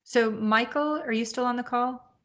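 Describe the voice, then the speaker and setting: A woman's voice: on the high side, moderate pace. A woman leading an online real estate training class, talking candidly and chattily, with lots of "like" and acted-out quotes of herself. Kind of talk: motivational online class talk. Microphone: video call.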